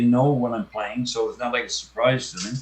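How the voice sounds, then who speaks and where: The voice carries a strong Newfoundland accent with lively intonation. Noticeable background noise sits behind it. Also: man. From Newfoundland, Grand Bank. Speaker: country singer. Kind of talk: casual interview. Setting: radio studio, also live on TV.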